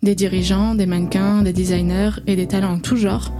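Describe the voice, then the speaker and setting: A woman reads a polished, scripted podcast introduction with clear emphasis. Music plays clearly beneath her voice throughout. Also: mid-range voice, level tone, a little fast. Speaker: podcast host.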